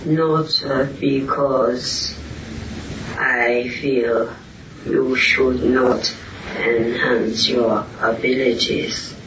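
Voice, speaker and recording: Older-style recording, roomy and muffled, man talking real slow and even, solemn spiritual teacher. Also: medium pitch. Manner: solemn, deliberate, halting short phrases. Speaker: spiritual teacher answering questions. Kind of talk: spiritual discourse in question and answer. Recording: roomy, distant, muffled, hissy amateur recording.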